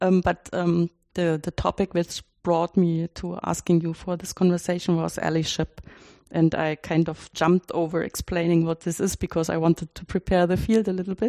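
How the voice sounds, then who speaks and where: In a dry, close recording with no echo, a woman with a German accent speaks at a moderate pace, her fairly low voice dark and mellow, her intonation monotone and flat. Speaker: podcast host, mathematician. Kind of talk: interview conversation.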